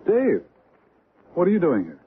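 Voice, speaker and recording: A man's voice: high voice, huge pitch swings, unhurried, heavily acted. An actor playing a wry, jealous man, an anxious romantic rival, in a 1970s radio drama. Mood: wry, wary. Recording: noisy, narrow-band old radio recording.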